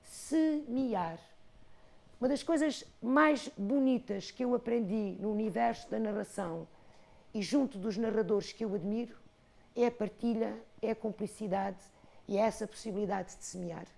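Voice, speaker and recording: A Portuguese woman in her fifties from the Algarve, an expressive storyteller talking about her life and craft, with an Algarve accent. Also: mid-range voice, moderate pace, creaky. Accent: European Portuguese, Algarve. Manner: expressive storyteller, rhythmic lists. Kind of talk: reflective interview talk.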